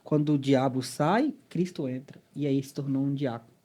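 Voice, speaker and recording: A man's voice: medium pitch, normal speed, mellow, breathy edge. A man from Minas Gerais hosting a podcast, reacting with short exclamations and asking follow-up questions. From Minas Gerais, Brazil. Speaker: podcast host. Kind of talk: casual podcast chat.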